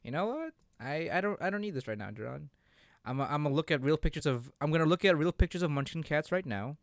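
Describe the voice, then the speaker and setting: A young man co-hosting a casual, unscripted gaming chat, halting and often repeating himself. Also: fairly high pitch, expressive, dry recording, studio quality. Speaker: co-host of a gaming discussion.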